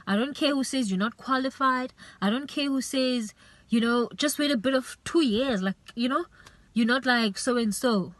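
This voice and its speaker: A woman with a fairly high voice gives a faith-based motivational vlog talk. She pleads earnestly, circling back and repeating her points. The sound is close and dry, with no room around it. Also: moderate pace, fairly bright tone, no room sound. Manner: earnest, urging and repetitive, with many restarts and "you know". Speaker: vlogger.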